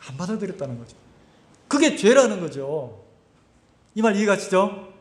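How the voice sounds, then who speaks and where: A man's voice: high voice, very animated, normal speed. A male pastor preaching a sermon at a church camp, constantly asking the congregation questions. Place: church summer camp service. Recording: echoey hall.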